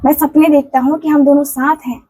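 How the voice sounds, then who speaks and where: A woman's voice: sits high, little pitch movement, brisk, mellow, poor audio. A woman tarot reader speaking a channeled love message in the first person, earnest and pleading, repeating herself with casual fillers. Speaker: tarot and candle wax reader.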